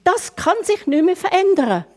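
A woman's voice: very high voice, very animated, normal speed, darkish tone. An older woman with a Swiss German accent giving a conversational sermon full of rhetorical questions. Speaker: preacher.

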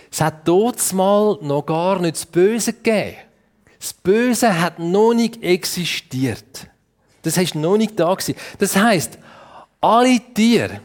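A man with a Swiss German accent telling a Bible story to children in a playful, lively way and asking them questions. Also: high-pitched. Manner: playful, asks the audience questions.

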